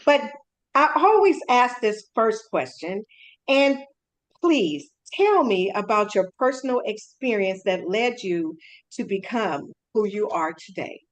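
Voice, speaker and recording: A woman's voice: mid-range voice, big pitch swings, slow pace. Woman interviewer, chatty, friendly, laughs easily. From California. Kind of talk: casual interview chat.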